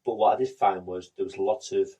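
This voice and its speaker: A man's voice: sits low, steady tone, fast, mellow. A man co-hosting a podcast, chatting casually with dry, matter-of-fact teasing. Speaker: podcast co-host. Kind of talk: casual chat.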